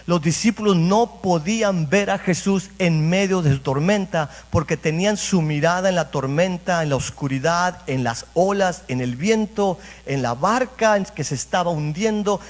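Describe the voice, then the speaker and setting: Speaking at a normal pace, this animated, high-pitched man delivers a sermon as pastor, talking straight to his congregation and repeating phrases. The setting is a church sanctuary with a reverberant hall sound.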